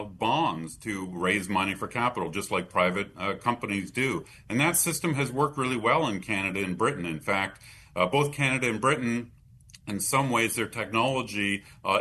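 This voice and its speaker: A man with a North American accent, a policy expert explaining things in an interview with halting false starts. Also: fairly low pitch, pushed and bright.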